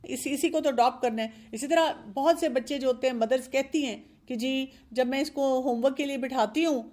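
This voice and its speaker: A woman's voice: high voice, a little mellow. A middle-aged woman, a parenting expert, earnestly explaining discipline with examples from her own children and mixing in English words. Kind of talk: advice talk on a show.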